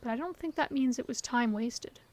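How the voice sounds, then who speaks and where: A woman acting a gentle, hopeful best friend in an audio roleplay, talking to the listener in an earnest, reassuring, conversational way. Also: sits high, a little fast, natural voice. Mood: tender, hopeful. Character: gentle, hopeful female best friend comforting her secret crush. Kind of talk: scripted audio roleplay, intimate one-sided dialogue to the listener.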